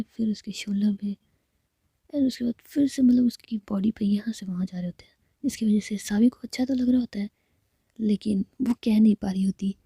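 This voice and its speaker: A woman narrating a romance story in a soft, intimate whisper. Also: fairly high pitch, vocal fry, breathy edge, dry recording.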